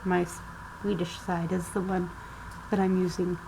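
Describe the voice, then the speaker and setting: With a lowish, gravelly voice and flat delivery, a crafting vlogger slowly narrates a relaxed tutorial from her home table, musing as she works. At times she turns from the camera mic, and background noise is audible.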